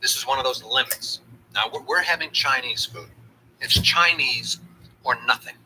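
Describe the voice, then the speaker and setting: A man's voice: medium pitch, normal speed, rough recording. An actor playing a grumpy middle-aged man stuck babysitting kids, exasperated and blustering, stammering over his words in a sitcom. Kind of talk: sitcom acting. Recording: loud background noise in sitcom audio.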